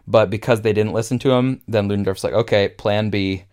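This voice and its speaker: Smooth low-voiced man chatting about film. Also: steady tone, a little fast, darkish tone. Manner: enthusiastic, frequent fillers and laughs. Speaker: podcast co-host. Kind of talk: casual film discussion.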